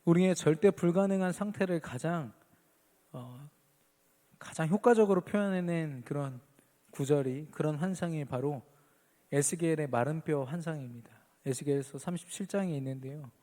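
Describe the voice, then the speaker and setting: A man's voice: fairly high pitch, moderate pace, dark tone, long reverb tail. A man preaching an earnest sermon as pastor at a midweek church service, lifting his voice on key phrases.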